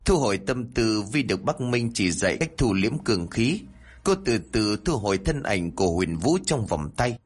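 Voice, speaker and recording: A man narrating a spooky audio story with a lively, dramatic telling. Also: on the low side, moderate pace, slightly rough.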